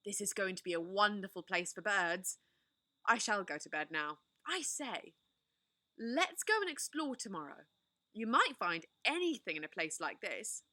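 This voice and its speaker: A woman's voice: medium pitch, very animated, moderate pace, pushed and bright, dry recording. A woman doing an eager eldest boy. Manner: enthusiastic, confident.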